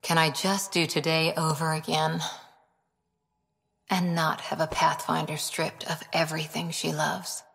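An actress playing a loyal, self-doubting human lieutenant in a video game, earnest and steady. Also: female voice, deep voice, unhurried, creaky, exaggerated voice.

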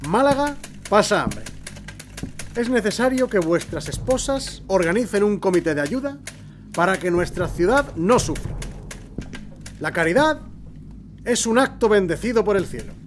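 An actor playing a commanding, cynical middle-aged governor with a Spanish accent in an audio drama, speaking in a declamatory way. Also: male voice, high voice, big pitch swings, normal speed, long pauses, slight background noise. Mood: formal, dictating. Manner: authoritative, declamatory. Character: cynical, commanding provincial governor in 1918 Spain.

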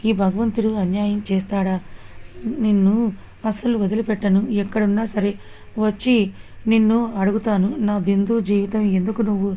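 A woman's voice: mid-range voice, little pitch movement, normal speed, dark tone, lightly acted. A woman voicing a heartbroken young man who drinks to drown his grief, in a Telugu audio story, in slurred grieving outbursts. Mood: anguished.

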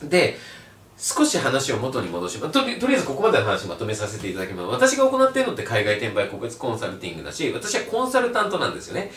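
A man giving a blunt, animated video lecture as an online resale instructor. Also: medium pitch, fast, distant mic, slight background noise. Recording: roomy echo, mic set back.

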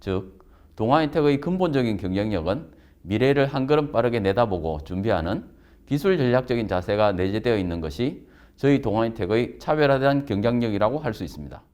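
A man's voice: mid-range voice, animated, fairly quick, a little mellow. A man giving a formal, prepared interview statement as a company representative.

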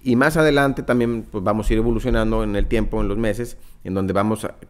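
Low-voiced northern Mexican man explaining. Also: fairly even intonation, brisk. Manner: explains with examples and acted-out quotes, many fillers. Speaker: startup founder. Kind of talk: business interview. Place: office meeting room. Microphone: studio mic on desk stand.

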